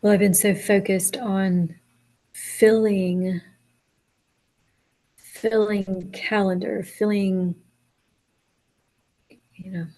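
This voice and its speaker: A woman's voice: mid-range voice, flat delivery, drawn-out words, vocal fry, pauses often, dark tone, poor audio. A woman being coached, speaking casually and hesitantly as she thinks aloud. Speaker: coaching client. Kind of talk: reflective casual conversation.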